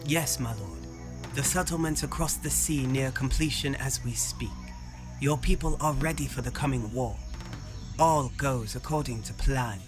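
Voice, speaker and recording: A man's voice: mid-range voice, moderate pace, close to an everyday voice. A man plays a loyal servant reporting to his lord in a fantasy audio drama. He speaks formally and deferentially, with music in the background. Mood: dutiful. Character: loyal male servant, keeper of secrets.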